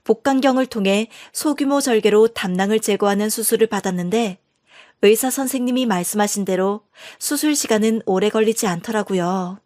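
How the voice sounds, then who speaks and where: A woman's voice: mid-range voice, moderate pace, darkish tone, no room sound, studio quality. A woman narrating a scripted first-person story in an earnest, indignant storytelling manner.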